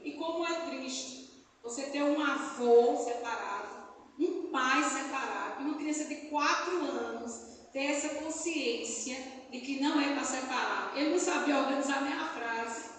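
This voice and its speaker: Woman, Brazilian accent, missionary preacher, fervent sermon, tag questions, distant mic, faint room noise. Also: high-pitched. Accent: Brazilian Portuguese. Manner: fervent, peppers speech with "né?" tag questions and praise shouts. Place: church hall during a family service. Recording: echoey church hall, mic far off.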